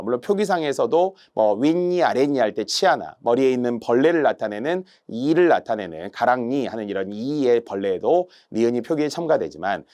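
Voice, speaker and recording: Animated man giving an exam-prep lecture. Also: mid-range voice. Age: middle-aged. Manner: lively, emphatic lecturing with drawn-out examples. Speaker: Korean language instructor.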